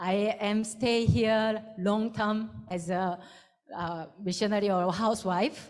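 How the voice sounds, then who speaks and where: Very slow speech in a Malaysian accent. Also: woman. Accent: Malaysian-sounding English. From South Korea. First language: Korean. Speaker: missionary and university lecturer. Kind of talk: church testimony. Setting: church service. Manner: halting.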